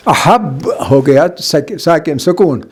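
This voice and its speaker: Man slowly teaching Quran recitation. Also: on the high side, lively intonation, breathy edge. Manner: slow drawn-out demonstration of syllables. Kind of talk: religious lesson on Quran recitation.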